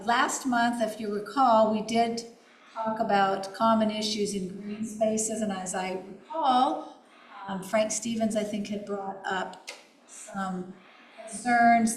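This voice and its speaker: A woman chairing a committee meeting over a video call. She talks quietly and haltingly, with many fillers. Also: on the high side. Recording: echoey room, faint noise.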